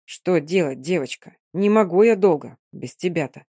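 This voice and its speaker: A woman reading a novel aloud, voicing a grim Gypsy rogue with a low, hoarse voice and curt, gruff speech. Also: normal speed, a little mellow, no echo, studio quality, lightly acted.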